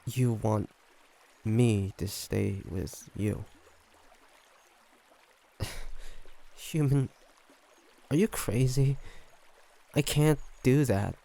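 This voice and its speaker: A man voicing a brooding, gentle ancient vampire in an intimate audio roleplay, speaking haltingly and pensively. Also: mid-range voice, gravelly. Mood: incredulous. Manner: halting, soft-spoken, pensive with sighs.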